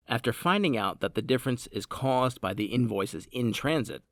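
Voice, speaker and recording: A man with a fairly low voice narrates a scripted product tutorial. His delivery is measured and explanatory, with marked creak at the edges. The sound is dry, without room reflections. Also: a bit bright, no echo. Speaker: software demo narrator.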